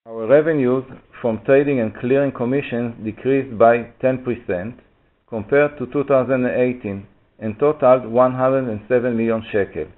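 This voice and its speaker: A man's voice: medium pitch, steady tone, normal speed. A man giving a formal, orderly scripted presentation of financial figures on a conference call. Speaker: finance executive presenting results. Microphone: conference call phone line. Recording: tinny, narrow phone line.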